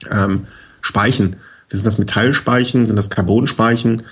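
A man with a husky, slightly breathy voice that sits on the low side walks through his advice in a relaxed, conversational way. He explains things step by step and keeps dropping in little tag questions and fillers as he talks. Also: measured pace. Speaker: bicycle expert guest. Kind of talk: casual explanatory chat.

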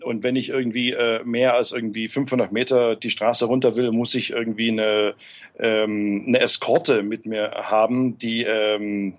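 A man working for an aid group, answering interview questions casually, hesitant, with many fillers and restarts. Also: lowish voice. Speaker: aid worker being interviewed.

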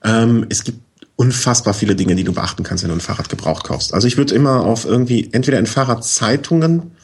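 A man's voice: mid-range voice, quick pace, breathy edge. A man giving practical advice as a guest in a casual chat, explaining step by step and often checking in with short tag questions. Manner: relaxed, explains step by step, frequent "ne?" tags and fillers. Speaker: bicycle expert guest.

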